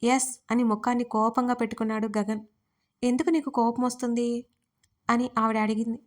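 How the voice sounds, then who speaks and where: A woman reading a family story aloud as the narrator, in a gentle storytelling manner. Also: fairly high pitch, little pitch movement, a little fast.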